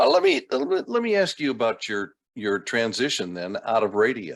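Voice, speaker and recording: With a quiet background, a man talks using very wide pitch swings. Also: medium pitch for a man, moderate pace. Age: 70s. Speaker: radio host. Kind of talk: casual interview chat.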